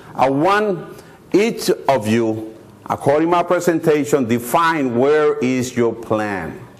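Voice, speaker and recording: With audible room echo and noticeable background noise, a man with a fairly high voice talks at a very slow pace, his intonation lively and his loudness very even. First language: not English. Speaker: maintenance service provider. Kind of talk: conference presentation.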